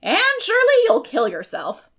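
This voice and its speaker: A woman's voice: a little high, wildly swooping pitch, a little slow, slightly rough, exaggerated voice. A woman voicing a stout, opinionated older village woman in an audiobook drama, blunt, folksy and emphatic. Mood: horrified. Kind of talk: dramatic audiobook reading of a classic novel.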